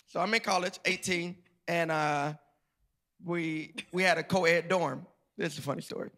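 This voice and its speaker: A man's voice: fairly high pitch, fairly even intonation, normal speed, pushed and bright. A middle-aged man, telling a playful, laughing story to a live audience as a guest author. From Georgia, USA.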